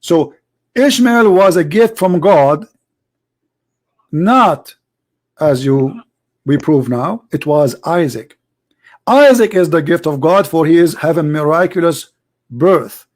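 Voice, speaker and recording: Arab speaking guy debating religion, english, keeps repeating questions, kinda high voice. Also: lively intonation, takes it slowly, pauses often. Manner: insistent, repeats questions, non-native English phrasing. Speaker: host debating religion with a caller.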